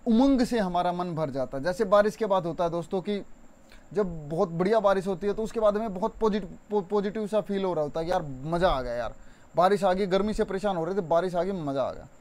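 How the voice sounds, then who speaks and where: A young man teaching an exam-prep Hindi spelling lesson, chatty and repetitive, stretching words slowly to show stress. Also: sits high, lively intonation, a little mellow. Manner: addresses viewers as friends, conversational.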